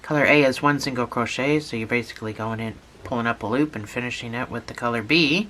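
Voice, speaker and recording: A channel host talking through a lesson step by step, patient and repetitive, a little hoarse from a cold. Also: medium pitch, fast talker, a bit bright. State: has a cold, losing voice. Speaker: instructor. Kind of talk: step-by-step tutorial narration.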